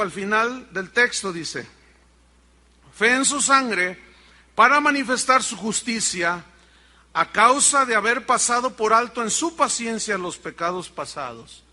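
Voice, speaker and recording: A man's voice: extremely high pitch, lively intonation, measured pace, long pauses, bright, forceful tone. A man preaching a sermon to his congregation, pressing them with rhetorical questions. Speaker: pastor. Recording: long reverb of a large hall.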